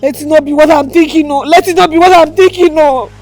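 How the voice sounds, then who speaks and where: A woman's voice: high-pitched, fast talker, a little mellow, soft background music, close to an everyday voice. A woman playing a worried young daughter. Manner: worried, insistent. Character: anxious young woman fearing her brother. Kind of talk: film drama acting.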